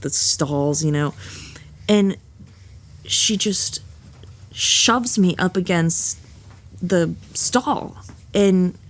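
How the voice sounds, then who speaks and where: Young adult woman, podcast guest, lower pitch, candid and giggly storyteller. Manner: animated and laughing often, with lots of fillers.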